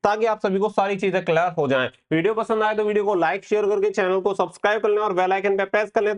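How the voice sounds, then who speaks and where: A man hosting an exam-prep update, explaining things to students step by step and repeating key points. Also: sits high. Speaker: exam-prep channel host.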